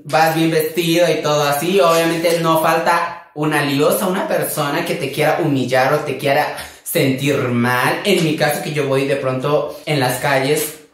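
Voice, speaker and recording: A man's voice: fairly even intonation, normal speed, fairly bright tone. A man from a Wixárika community in Mexico, with a Mexican Spanish accent and Wixárika as his first language, teaching words in a campy, sassy, theatrical way. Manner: campy, theatrical, sassy with sudden pitch jumps. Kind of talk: casual playful vocabulary lesson. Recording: very echoey room.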